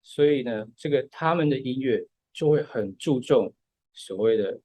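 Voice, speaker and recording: A man's voice: medium pitch, expressive, normal speed, warm tone, no echo. A man, patiently explaining music step by step in a casual podcast chat.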